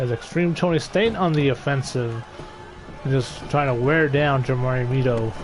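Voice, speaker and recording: Music in the background under a man's medium-pitched, animated voice at a moderate pace, with ordinary pitch variation. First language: Spanish. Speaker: gaming livestreamer doing wrestling commentary. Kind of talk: live play-by-play commentary on a video game. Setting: livestream.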